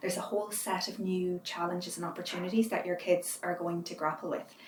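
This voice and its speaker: A woman's fairly low voice, with audible room echo and noticeable background noise. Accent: Irish. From Ireland, County Longford. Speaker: lawyer and emigrant guest. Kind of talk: casual chat.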